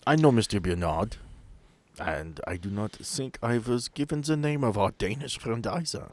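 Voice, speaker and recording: A man voicing a measured, detached male asylum doctor who talks in a formal, precise way. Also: on the low side, lively intonation, lightly acted. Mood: coolly formal.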